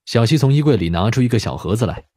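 A man's voice: medium pitch, expressive, quick pace, warm tone, no echo. A man narrating a scripted audiobook story as its narrator.

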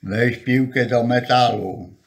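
A man's voice: medium pitch, steady tone, takes it slowly, lightly acted. A man playing a terse, long-suffering, pleading husband in an amateur radio comedy. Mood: pleading, exasperated.

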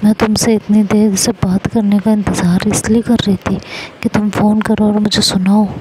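A woman's voice: mid-range voice, flat delivery, moderate pace, noisy background, natural voice. A woman voicing an impulsive young college student who speaks in a defensive, pleading way in an audio story.

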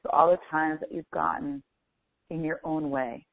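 A woman's voice: sits low, fairly even intonation, creaky, dry recording. Phone-like recording of woman guiding meditation. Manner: slow, deliberate, instructive, with long pauses. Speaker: meditation guide, coach. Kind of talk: guided meditation and visualization. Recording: phone-like thin, band-limited audio.

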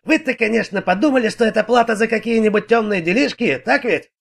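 A man voicing an irritable middle-aged bricklayer who answers the police in a gruff, defensive way. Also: high voice, lively intonation, fast, exaggerated voice. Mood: irritated.

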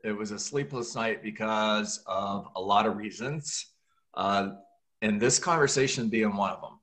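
A middle-aged man hosting a group meeting, speaking deliberately and repeating words as he encourages the group. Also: on the low side, fairly bright tone. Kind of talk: motivational group facilitation. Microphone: computer mic on a video call, no headset.

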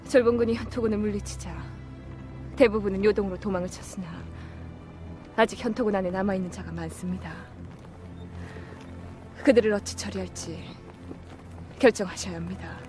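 An actress playing a composed, businesslike female adviser in a historical drama, reporting in a formal, measured way. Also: medium pitch, steady tone, darkish tone, soft background music, lightly acted. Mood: serious.

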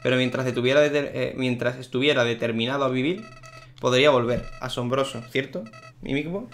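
A man voices a cold talking flower, reading it aloud as he plays in a plain, mid-pitched voice. he tells it like a story, with soft game music behind. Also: brisk, natural voice. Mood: somber. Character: sinister soulless talking flower, once a boy.

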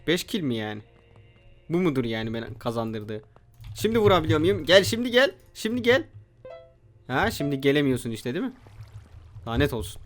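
A young man hosting his gaming channel, giving excitable let's play commentary and shouting at opponents. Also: a little high.

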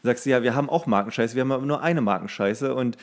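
A man's voice: medium pitch, racing. Grumbling, crude man ranting casually. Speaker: podcast co-host. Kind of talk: casual chat, ranting banter.

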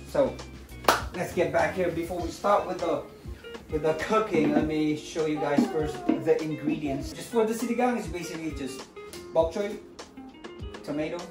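A man's voice: fairly high pitch, roomy sound. A man in his thirties hosting a cooking vlog from his home kitchen, talking casually to viewers and laughing often. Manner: chatty, laughs often, addresses viewers as guys. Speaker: fishing and cooking channel host. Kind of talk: casual vlog talk to camera.

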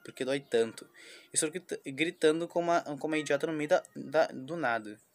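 A man reading a visual novel aloud, voicing a despairing young schoolgirl, halting and restarting words. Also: on the high side, close to an everyday voice. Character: despairing young schoolgirl, anxious and self-blaming.

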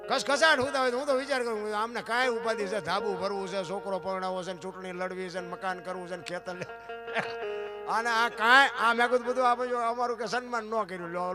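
A man telling folk wisdom to an audience, folksy and rhetorical, often calling out to his listeners. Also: high voice. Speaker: folk storyteller. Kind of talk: folk storytelling talk to an audience.

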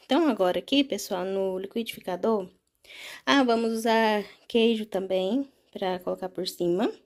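A woman's voice: medium pitch, normal speed, darkish tone. Chatty Brazilian woman sharing a recipe. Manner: chatty, informal, often checking in with listeners. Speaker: home cooking vlogger. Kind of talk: casual recipe narration.

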